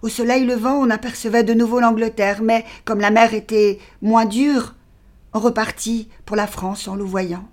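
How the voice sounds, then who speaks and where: A woman performing a dramatic literary reading of a short story, measured and sinking to a near-whisper in grim passages. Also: a little high, fairly even intonation, darkish tone.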